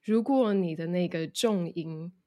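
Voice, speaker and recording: A woman's voice: fairly low pitch, measured pace, mellow. A woman English coach speaking Mandarin with a slight English-influenced accent, explaining in an interview and dropping in English words. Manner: mixes English words into Mandarin, demonstrates phrases.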